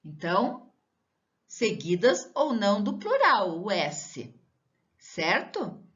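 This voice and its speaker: Slow, lively-voiced woman teacher. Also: mid-range voice, dull audio. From Brazil. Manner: slow, drawn-out teacher talk with rising questions to the pupil. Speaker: schoolteacher. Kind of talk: recorded lesson for children.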